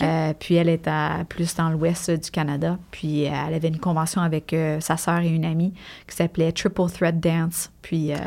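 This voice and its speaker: A woman's fairly low voice in a Quebec accent, monotone and flat in intonation, with very even loudness. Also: moderate pace. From Montreal, Quebec. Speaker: professional dancer. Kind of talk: interview.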